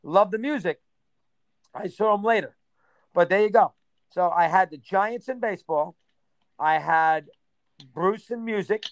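A man in his sixties, reminiscing in a casual interview, rambling and rattling off names in quick bursts. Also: high-pitched, no room sound. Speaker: interview guest.

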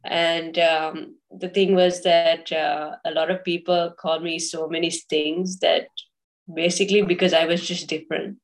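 Soft, flat-voiced woman from Sri Lanka. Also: lowish voice, unhurried, low-quality recording. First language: English. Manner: hesitant, many fillers and restarts. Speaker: guest. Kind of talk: casual interview talk.

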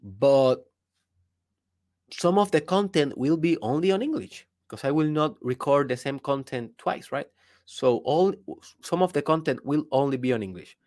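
A man's voice: on the high side, expressive, normal speed, darkish tone. A native Spanish-speaking man with a Spanish accent, giving an emphatic solo motivational talk as a business coach, often asking the listener rhetorical questions.

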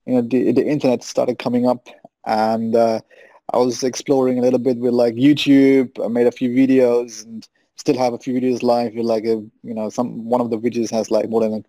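A man's voice: mid-range voice, flat delivery, fairly quick, mellow, dry recording, poor audio. A man in his thirties from Germany, a trading podcast guest who talks in an upbeat, rambling way and laughs often. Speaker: guest, trader. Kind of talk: casual interview.

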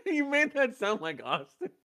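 A man's voice: extremely high pitch, wildly swooping pitch, unhurried, bright, forceful tone. A man co-hosting a casual wrestling recap podcast, bantering loosely, laughing often and swearing freely. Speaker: podcast co-host.

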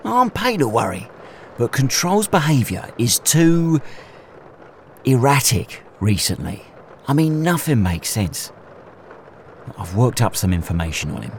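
An actor playing an assassin's chatty, blunt British sidekick in an audio drama, with an informal, matey manner. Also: male voice, mid-range voice, big pitch swings, a little slow, long pauses, a little hiss or hum. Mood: worried, urgent. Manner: informal, matey, jokey, sweary.

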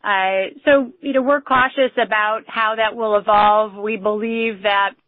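A woman's voice: medium pitch, steady tone, unhurried, dry recording. Woman executive on muffled, dry conference audio. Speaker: company executive. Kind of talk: earnings call answers in business register. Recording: muffled, band-limited conference call audio.

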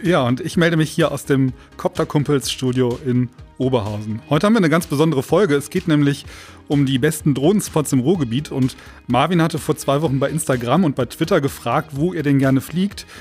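A man's voice: fairly high pitch, brisk, a little mellow, soft background music. A man hosting a podcast in a casual, informal and teasing manner. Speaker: podcast host.

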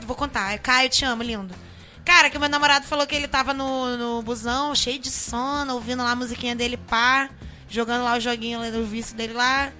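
A woman chatting casually on a podcast, swearing freely and telling stories with energy. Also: on the high side. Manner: profane, animated storyteller.

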